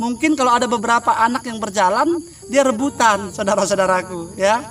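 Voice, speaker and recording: A shrill, extremely high-pitched male voice at a moderate pace, with ordinary pitch variation. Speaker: spiritual teacher. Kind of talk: religious talk. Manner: halting.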